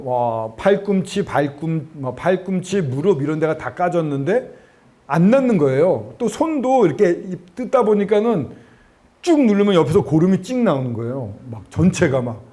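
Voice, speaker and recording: A man preaching a sermon to students, telling a personal story in an animated way and acting out the people he quotes. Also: a little high, normal speed. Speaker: preacher at student gospel camp.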